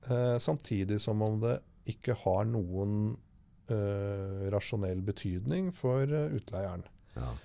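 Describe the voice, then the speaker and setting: Very slow speech from a man, fairly low in pitch, dark and mellow in tone, with ordinary pitch variation. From Norway. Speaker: lawyer. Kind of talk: casual interview answering legal questions. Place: studio. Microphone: studio mic.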